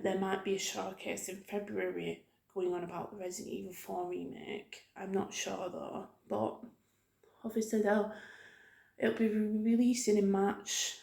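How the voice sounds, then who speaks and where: A woman talks softly in a casual ASMR ramble, with an even, fairly flat pitch. She wanders from thought to thought in a hesitant, informal way, like a video host chatting to viewers. The room adds a clear echo around her voice. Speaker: YouTube host. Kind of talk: soft-spoken ASMR ramble. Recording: roomy, echoing room sound.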